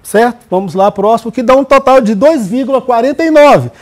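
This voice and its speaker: A man's voice: very high voice, animated, fairly quick. Brazilian man giving an emphatic academic presentation. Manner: didactic, emphatic, repeats key points. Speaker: student presenter of academic research.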